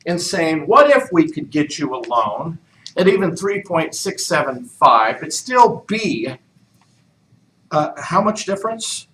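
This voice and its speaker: A man's voice: a little high, very animated, slow pace, a bit bright. A man leading a real estate training session, coaching the group with repeated questions. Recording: echoey room, mic far off.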